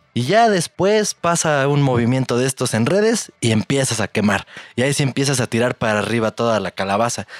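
In a very clean recording with a silent background and a dry, close sound with no echo, a man speaks in a normal speaking voice at a fairly quick pace and medium pitch, with lively intonation and hardly any pauses. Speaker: podcast co-host. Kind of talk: casual chat.

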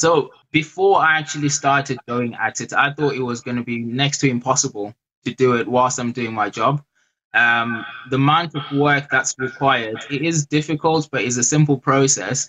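A man speaks at a moderate pace and medium pitch, with fairly even intonation. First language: not English. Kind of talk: interview.

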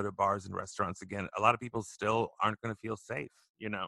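Recorded dry and close with no echo, a man speaks at medium pitch with a bright, sharp tone. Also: very clean recording, silent background. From Iceland. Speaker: drag performer and nightclub owner. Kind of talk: interview. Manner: halting, many fillers.

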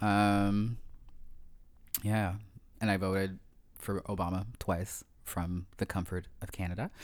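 In a very clean recording with a silent background, a man with a Philadelphia accent speaks at a very slow pace in a fairly low, monotone, flat voice with long, frequent pauses. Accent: Philadelphia American. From US, Philadelphia area. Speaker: queer activist and burlesque performer. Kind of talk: casual chat.

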